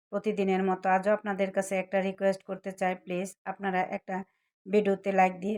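The recording of this woman's medium-pitched voice has a dry, close sound with no echo. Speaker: home cooking vlogger. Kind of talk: casual vlog narration.

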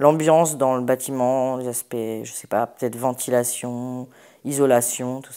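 Against a quiet background, a woman talks at a fairly slow pace in a very deep, low pitch, with a dark, mellow tone and monotone, flat intonation. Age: 30s. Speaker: engineer; interviewee. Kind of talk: interview testimony. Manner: halting, many hesitations. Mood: calm, relaxed. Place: home room. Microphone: lapel.

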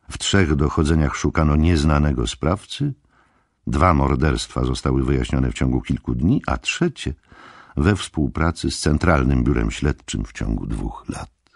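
With vocal fry and a very deep, low pitch, a man talks at a moderate pace using ordinary pitch variation. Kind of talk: literary audiobook reading, scripted narration. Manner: even, measured, formal narrator's pace.

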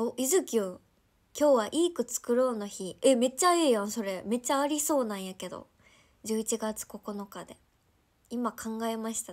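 The pace here is moderate. Loudness swings widely from moment to moment. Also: woman, fairly high pitch for a woman, quiet background. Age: 20s. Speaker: live streamer. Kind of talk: casual chat. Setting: live stream. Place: home room. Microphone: phone near.

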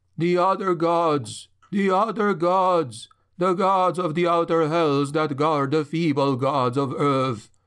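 Over a quiet background, a man uses a put-on character voice with high pitch. He goes at a fairly slow pace with hardly any pauses.

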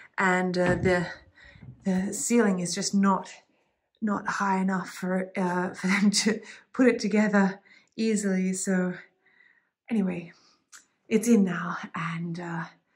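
A somewhat breathy woman's voice at a fairly slow pace, monotone and flat, with long, frequent pauses. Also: quiet background. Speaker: vlogger filming her home. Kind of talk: casual vlog chat. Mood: relaxed, pleased. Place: home room. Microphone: phone near.

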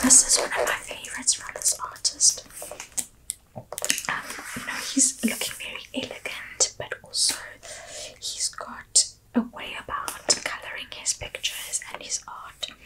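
A soft-spoken woman whispers at a fairly slow pace, with big swings in loudness. Noticeable background noise runs underneath. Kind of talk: role-play sales consultation. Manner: soft ASMR whisper, chewing gum. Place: home room. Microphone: camera far.

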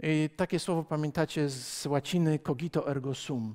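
A man with a Polish accent speaks at a fairly slow pace with ordinary pitch variation over a quiet background. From Poland, Warsaw. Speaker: pastor and theology lecturer; pastor, theology lecturer. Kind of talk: lecture. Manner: conversational. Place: church. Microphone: headset.

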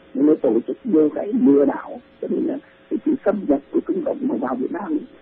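A man's voice with very wide pitch swings, set against noticeable background noise. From northern Vietnam (Hai Phong). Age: 70s. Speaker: teacher and dissident. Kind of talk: interview.

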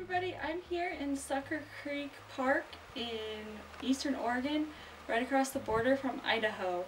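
A woman talks at a moderate pace with lively intonation. Light background noise can be heard. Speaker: travel vlogger. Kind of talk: casual vlog chat. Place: open country. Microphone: camera far.

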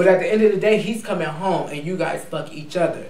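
A man's high voice at a very fast pace, with audible room echo. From Cleveland, Ohio. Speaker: adult film performer. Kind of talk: interview. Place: studio.

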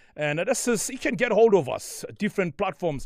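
Against a quiet background, a man speaks with lively intonation in a dry sound with no echo. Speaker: stand-in radio host. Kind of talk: radio show introduction. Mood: upbeat, warm. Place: studio. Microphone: studio mic.

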